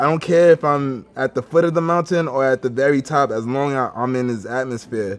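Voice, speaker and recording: With an ordinary speaking voice, a man talks at a fairly quick pace with hardly any pauses and ordinary pitch variation. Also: medium pitch for a man. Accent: American. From Brooklyn, New York (Haitian family). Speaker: churchgoer giving testimony. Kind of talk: testimony.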